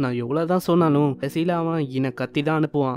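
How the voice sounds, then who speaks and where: A man's fairly high-pitched, plain, everyday voice with fairly even intonation. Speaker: anime story explainer. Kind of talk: casual anime plot recap narration.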